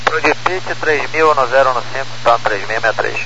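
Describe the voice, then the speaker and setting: A man's voice: medium pitch, normal speed, pushed and bright, soft background music. A man making aviation radio calls as a pilot, heard through a radio transmission. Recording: muffled cockpit radio, faint noise.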